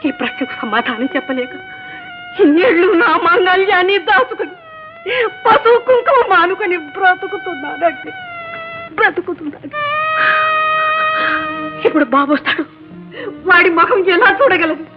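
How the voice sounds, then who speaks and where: A woman's voice: very high-pitched, animated, moderate pace. An actress playing a grieving mother who pleads tearfully with her son, in an old film melodrama. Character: grieving mother hiding her son's parentage. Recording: dull old film soundtrack with music.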